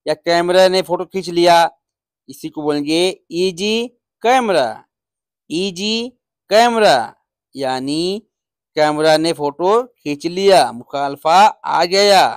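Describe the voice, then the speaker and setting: A man's voice: on the high side, no room sound, clean studio sound. A man teaching beginner Arabic phrases, repeating each word and explaining what it means. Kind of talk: beginner language lesson.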